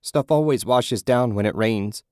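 A petty, skinny man living beneath the city, whining in a high, loud voice, performed by a male narrator. He sounds defensive and childish. The recording is dry and close. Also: unhurried, clean tone, dry recording, lightly acted. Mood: whiny.

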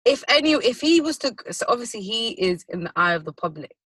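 A speaker with a London accent, debating casually as a co-host in slangy talk. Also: female voice, on the high side, sing-song, brisk, a bit bright, slightly rough, no room sound. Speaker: podcast co-host.

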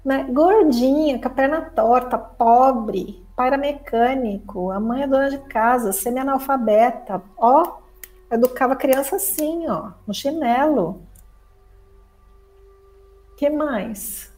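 A woman gives a lively spiritual talk to her viewers. Her voice sits high but has a warm, mellow tone, and she acts out the chatter of the mind with expressive swings. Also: slow, rough recording. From Brazil. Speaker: spiritual teacher and therapist.

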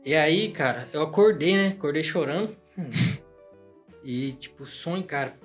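A man tells a personal story in casual podcast chat, his voice sitting a little high for a man. He talks with feeling, acts out the lines of the people in his story, and keeps dropping in casual fillers. Soft guitar music plays quietly behind him. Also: expressive, a little slow, slightly rough. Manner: emotional storyteller who peppers speech with "cara" and acts out dialogue.

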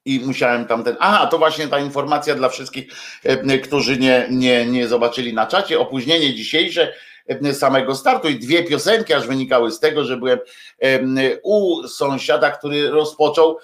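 A man's voice: mid-range voice, moderate pace, a bit bright. A man hosting a livestream, chatting casually with viewers in a hesitant, rambling way full of filler sounds and restarts, with jokey asides. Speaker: livestream host.

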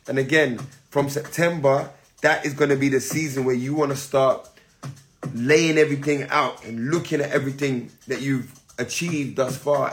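A man with a hoarse voice giving an easygoing spiritual talk to his listeners, calling them family again and again. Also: medium pitch. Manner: keeps saying "family", easygoing and encouraging. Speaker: spiritual teacher and podcast host. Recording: music playing behind.

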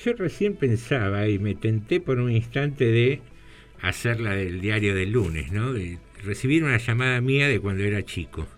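A man's voice: lowish voice, expressive, moderate pace, faint music behind. A man with an Argentine Spanish accent hosting a casual podcast conversation, chatty and leading the topics with questions. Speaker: podcast host.

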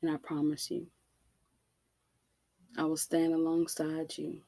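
A woman with an African American accent delivering an impassioned monologue, emphatic and deliberate, with rhetorical questions and repetition. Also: low voice, monotone, gravelly, warm tone, no echo. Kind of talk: impassioned spoken monologue to listeners.

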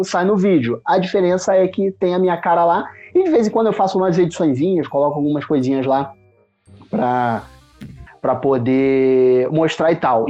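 A man with a fairly high voice and a Carioca accent chats informally in Rio street slang as a podcast guest. The phone recording is slightly muffled, with clear music playing behind him. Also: a little mellow. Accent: Carioca (Rio de Janeiro). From Rio de Janeiro, Brazil. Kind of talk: casual podcast chat. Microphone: mobile phone.

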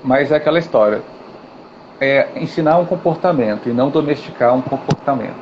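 A man's voice: mid-range voice, brisk. A man, a guest teacher in a live interview, talking casually and acting out gestures and quotes as he tells stories. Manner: animated storytelling with gestures and acted quotes. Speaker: guest, swimming and physical education teacher. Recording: dull, slightly noisy audio.

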